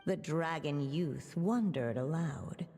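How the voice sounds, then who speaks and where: A woman voicing a poised, mysterious storybook narrator in a video game, with a measured, hushed delivery. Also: deep voice, faint music behind, full character voice. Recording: long reverb.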